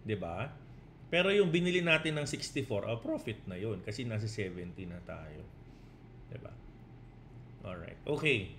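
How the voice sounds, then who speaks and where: A man's voice: fairly low pitch, big pitch swings, normal speed, pauses often, a bit bright, a little hiss or hum. A man, a crypto trading coach on a casual live stream who mixes Tagalog and English, reads out chat comments and keeps tagging his points with 'no?' and 'di ba?'.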